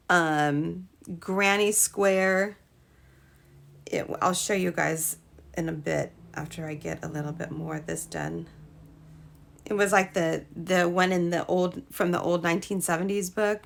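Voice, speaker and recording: A woman hosting a casual live crochet stream, chatting with viewers, her voice a little hoarse from a cold. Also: lowish voice, fairly bright tone. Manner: chatty, greets viewers, trails off and restarts. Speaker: crochet livestream host.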